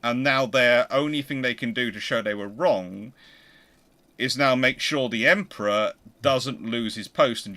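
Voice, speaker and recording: A man hosting a casual history discussion, thinking aloud in a discursive, animated way. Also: medium pitch. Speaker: host of a history discussion show.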